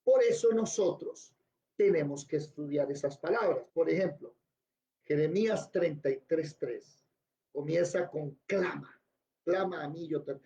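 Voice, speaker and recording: Man Bible teacher, high mellow voice, quizzes the class, dull lo-fi sound. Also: measured pace, creaky, reverberant. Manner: spells out words letter by letter and quizzes students. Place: classroom with students. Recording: dull lo-fi recording.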